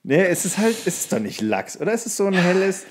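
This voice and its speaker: A man's voice: high-pitched, very animated, quick pace, husky. Man in his thirties chatting casually. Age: 30s. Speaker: podcast co-host. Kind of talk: casual chat.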